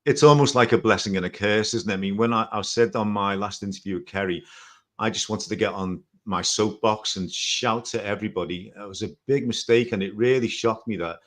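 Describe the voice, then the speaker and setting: A man's voice: lowish voice, brisk, fairly bright tone. A man in his sixties from Liverpool with a Liverpool accent, telling his story as an interview guest in a chatty, rambling way with small self-corrections and jokes. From Liverpool, England. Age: 60s.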